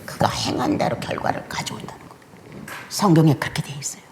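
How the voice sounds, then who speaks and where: An older woman preaching a sermon, swinging between loud exclamations and hushed whispers. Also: a little fast. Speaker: pastor.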